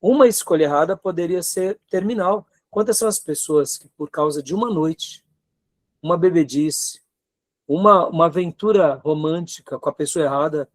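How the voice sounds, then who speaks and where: Brazilian male seminary teacher, high-pitched, exhorting and earnest, lecture delivery. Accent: Brazilian Portuguese. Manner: earnest, exhorting, asks rhetorical questions, frequent tag questions.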